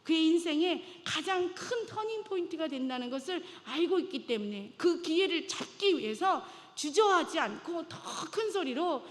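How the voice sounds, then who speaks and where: Woman preacher, high voice, dramatic storytelling, church hall with long echo. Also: lively intonation, normal speed, few pauses. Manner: dramatic, acts out biblical voices. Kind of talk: sermon. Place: church sanctuary.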